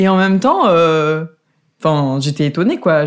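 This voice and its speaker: A woman with a very deep, low pitch, at a moderate pace with fairly even intonation. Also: very clean recording, silent background. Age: 30s. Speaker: interviewee. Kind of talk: testimony.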